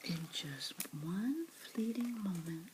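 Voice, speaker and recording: A woman softly whispering her way through a picture book, slowly and dotingly remarking on the pictures as she reads. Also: medium pitch, animated, noisy background. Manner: slow, soft, doting commentary on the pictures.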